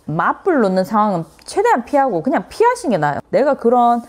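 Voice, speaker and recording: A woman's voice: fairly high pitch, wildly swooping pitch, fast talker, darkish tone. A middle-aged woman psychiatrist giving a parenting lecture, speaking earnestly, acting out what parents and children say and mixing in English phrases.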